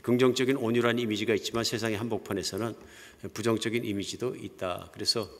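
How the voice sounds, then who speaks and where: This older pastor speaks quickly in a fairly low, steady voice, sharing stories in a relaxed sermon and laughing gently now and then. His words echo with long reverb through the church sanctuary.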